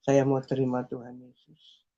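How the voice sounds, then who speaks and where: A man's voice: medium pitch, completely flat delivery, normal speed, mellow. A man telling his personal faith testimony in an earnest, repetitive way, with frequent hesitations. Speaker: testimony speaker. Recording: dull lo-fi recording.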